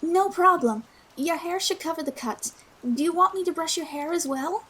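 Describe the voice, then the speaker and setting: A woman's voice: very high voice, normal speed, a bit bright, slight background noise. A woman playing a caring, earnest and forgiving young servant in an audio drama, reassuring and careful in how she speaks. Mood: gentle, caring. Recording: music under the voice. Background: music.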